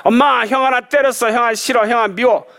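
A man's voice: fairly even intonation, brisk, gravelly, pushed and bright, exaggerated voice. A man voicing a whiny little boy who complains to his mother about his older brother. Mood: whining. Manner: high whining child voice.

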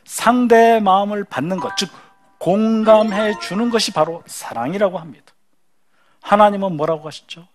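A man's voice: sits high, normal speed, music in the background. A man giving a storytelling lecture who asks the audience questions and acts out the dialogue. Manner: acts out dialogue in changing voices.

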